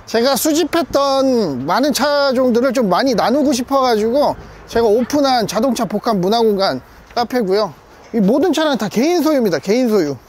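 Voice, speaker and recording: A man's voice: very high voice, expressive, moderate pace, darkish tone, slight background noise. A man in his thirties talking casually and with self-assurance to his vlog camera. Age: 30s. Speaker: YouTuber, car collector. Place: mostly inside a car, sometimes outdoors.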